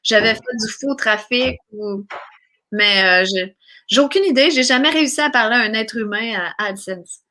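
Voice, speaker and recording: A woman's voice: fairly high pitch, moderate pace, sharp tone. A woman with a Québécois accent, a guest musician chatting in an interview, effusive and full of hesitations and restarts. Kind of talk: casual interview chat.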